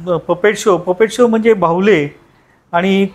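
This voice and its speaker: A man narrates a travel vlog in an explanatory way, pausing and restarting mid-sentence. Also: sits high, noisy background. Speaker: travel vlogger. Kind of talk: unscripted vlog voice-over narration. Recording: loud instrumental music behind voice. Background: loud music with instruments.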